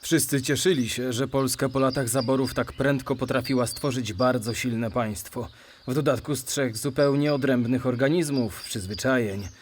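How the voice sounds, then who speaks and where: A man playing an elderly male city dweller recalling his childhood, in a measured, reflective memoir reading. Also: medium pitch, fairly even intonation, slight background noise, lightly acted.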